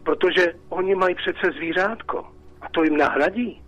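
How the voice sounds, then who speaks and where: A man's voice: sits high, fairly bright tone, dull audio. A Czech man calling in to a radio talk show, talking in an agitated, repetitive way. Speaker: caller.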